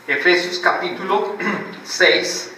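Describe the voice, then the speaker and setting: A man preaching a sermon in an animated way, mocking the way other preachers act out their impressions. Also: high-pitched, slow. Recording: echoey room heard from a distance, faint background noise.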